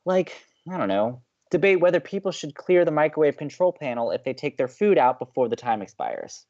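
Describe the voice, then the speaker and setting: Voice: medium pitch, big pitch swings, a little fast, warm tone, lo-fi sound. A performer playing an upbeat, chatty young college radio co-host in an audio drama, teasing and playful. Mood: playful, animated. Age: young adult.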